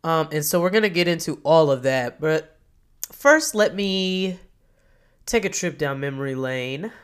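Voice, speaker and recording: A woman's voice: deep voice, lively intonation, measured pace, clear, resonant tone. Nasal, congested woman host. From Kentucky, US. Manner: enthusiastic, chatty, self-correcting. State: nasal from a cold. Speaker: podcast host, psychologist. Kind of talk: solo podcast monologue.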